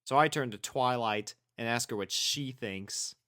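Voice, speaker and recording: A man's voice: mid-range voice, a little slow, pushed and bright. A man reading a first-person story as scripted narration, in an earnest, sentimental manner. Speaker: fan fiction reader.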